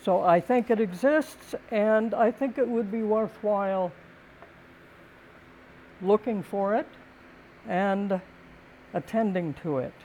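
An older woman giving a prepared talk in a calm, gentle, deliberate way, with thoughtful pauses between phrases. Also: medium pitch, slight background noise, rough recording. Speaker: speaker giving a talk on community and housing.

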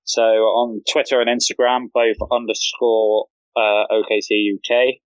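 A man's voice: fairly low pitch, flat delivery, measured pace, no room sound, highs cut off. A man from the UK, a guest on a casual podcast, who talks hesitantly and often repeats words as he starts a sentence. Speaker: podcast guest, fan account runner.

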